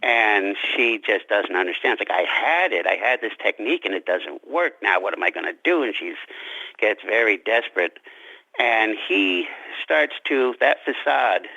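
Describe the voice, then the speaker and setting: A man speaking as a guest author in an interview, reflective and halting, often restarting his sentences. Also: fairly low pitch, creaky, sharp tone. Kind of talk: interview conversation. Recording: dull lo-fi radio-like sound.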